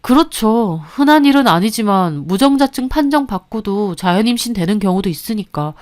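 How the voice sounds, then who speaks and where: A woman voicing a calm male doctor friend who explains things politely in a radio-style story. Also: medium pitch, moderate pace, no room sound, studio quality, lightly acted.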